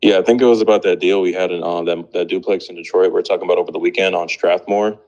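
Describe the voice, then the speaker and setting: A man calling in from work, speaking haltingly over a call that keeps cutting out. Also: low-pitched, steady tone, darkish tone, highs cut off. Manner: hesitant, halting speech. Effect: call audio cutting out and breaking up. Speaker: caller on a live stream.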